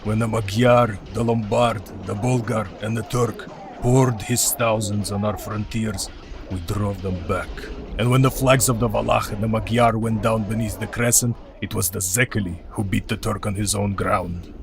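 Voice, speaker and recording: An actor playing an ancient, proud male vampire count in a radio play, speaking in a formal, old-fashioned way with a gravelly, husky voice. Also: fairly low pitch, fairly even intonation, over music. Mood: boastful. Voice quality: gravelly, husky, slow and deliberate.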